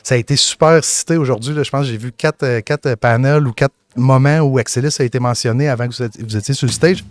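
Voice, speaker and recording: A man's voice: medium pitch, fast talker, hardly any pauses. A man from Quebec's Magdalen Islands with a Québécois accent, hosting an interview in a chatty, informal way with frequent restarts. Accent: Québécois French. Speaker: podcast host. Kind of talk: casual interview chat.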